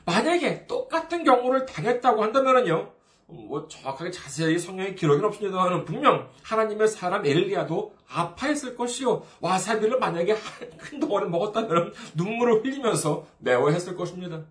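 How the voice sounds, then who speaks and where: A man's voice: sits high, animated, a little fast, a bit bright, reverberant. A man preaching a sermon as a pastor, in a conversational, humorous way, often asking the listeners questions.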